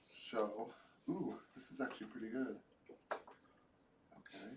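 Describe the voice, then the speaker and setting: A man's voice: on the low side, slow pace. Guy player muttering over dice, echoey room, mic far away, bit of noise. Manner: excitable, mutters to himself. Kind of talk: casual tabletop game play. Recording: roomy, distant mic, faint noise.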